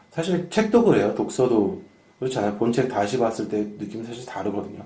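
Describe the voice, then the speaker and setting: Speaking very fast with lively intonation and big swings in loudness, a man at medium pitch is heard over noticeable background noise and audible room echo. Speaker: podcast host. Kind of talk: casual chat.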